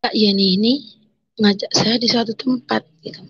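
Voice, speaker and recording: A woman giving an emotional personal conversion testimony, telling her story haltingly and voicing her own thoughts as she speaks. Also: mid-range voice, fairly even intonation, a bit bright, husky, no echo, highs cut off. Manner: emotional, halting storytelling with quoted inner speech.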